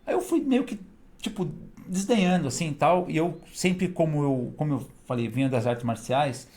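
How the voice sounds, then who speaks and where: A man, a guest telling stories in a casual, animated way and laughing between them. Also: fairly high pitch, normal speed. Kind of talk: casual storytelling.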